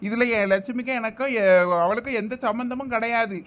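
A man's voice: extremely high pitch, fairly even intonation, fairly quick, fairly bright tone, dull audio. A man playing an insistent, aggrieved middle-aged brother demanding his property back, with a Thoothukudi Tamil accent. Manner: insistent, complaining. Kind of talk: village comedy skit acting.

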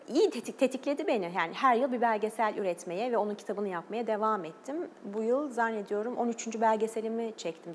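A woman's voice: medium pitch, big-room sound, a little hiss or hum. A woman, a journalist and documentary maker, speaking earnestly as a TV interview guest, with fillers and short laughs. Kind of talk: TV interview talk.

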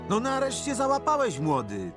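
Wry, animated cartoon teaser. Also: male voice, very high-pitched, moderate pace, music in the background, heavily acted. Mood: mocking.

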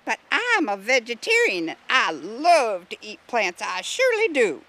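A man puts on a genial lady river snail for a children's storybook. The voice sits high and drawls in a distinct Southern US accent, folksy and friendly. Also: huge pitch swings, measured pace, bright, forceful tone, heavily acted, low-quality recording. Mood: folksy, cheerful.

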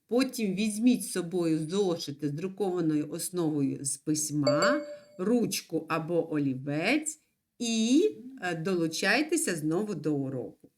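Повільна вчителька з мелодійним голосом. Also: female voice, fairly low pitch. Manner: slow, sing-song, stretches syllables. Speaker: primary school teacher. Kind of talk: online lesson for young children.

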